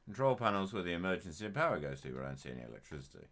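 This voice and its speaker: A man's voice: low-pitched, sing-song, very fast, a bit bright. A young man with a Black Country accent gives casual, rambling let's-play commentary, joking between moments of play. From English Midlands. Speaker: game streamer.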